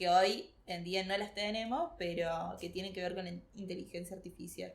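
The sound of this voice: With monotone, flat intonation, a woman speaks at medium pitch. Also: moderate pace.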